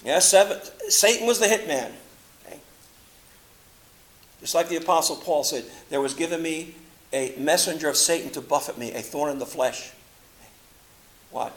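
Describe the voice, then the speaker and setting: A man preaching a sermon, rising into loud, impassioned quotations and dropping into low, quiet asides. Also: rough recording.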